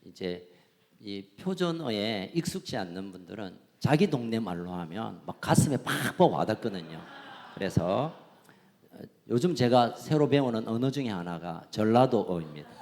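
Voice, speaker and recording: A man's voice: on the low side, very animated, normal speed, a little mellow. A man in his fifties, a pastor, preaching with playful humor and frequent chuckles. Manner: jokey, playful, chuckling often. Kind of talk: sermon with humorous dialect reading. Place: church sanctuary. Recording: church hall reverb.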